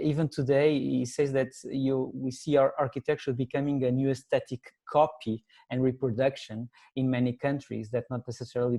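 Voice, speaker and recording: A man's voice: mid-range voice, gravelly, warm tone. A man moderating a lecture Q&A in non-native English, hesitant and rephrasing as he reads out audience questions.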